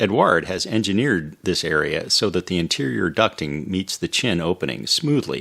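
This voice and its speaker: With an American accent, the speaker talks at a moderate pace with vocal fry. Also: man. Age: 50s. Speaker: scale model kit reviewer. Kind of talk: scripted narration.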